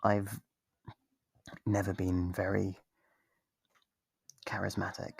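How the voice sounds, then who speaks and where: Breathy, creaky-voiced devoted cultist, acted out in ASMR. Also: sits low, little pitch movement, takes it slowly, no echo, heavily acted. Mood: earnest, scheming. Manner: earnest, hesitant stammering, theatrical. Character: devoted, nervous, lovestruck young cultist worshipper, obsessive and earnest. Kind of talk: ASMR audio roleplay, dramatic monologue.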